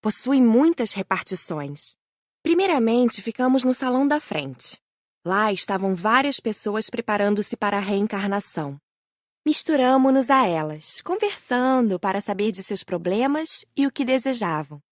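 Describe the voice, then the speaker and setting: A woman's voice: a little high, big pitch swings, moderate pace, dry recording, studio quality. A woman narrating an audiobook in the first person with a descriptive storytelling delivery.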